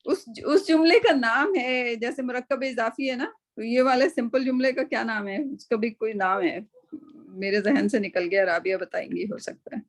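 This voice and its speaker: A woman teaching an online class, casual and chatty, mixing English phrases into her speech and often checking in with her students. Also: fairly high pitch. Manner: casual, chatty, mixes English into speech, keeps asking "right?". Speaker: Quran and Arabic teacher.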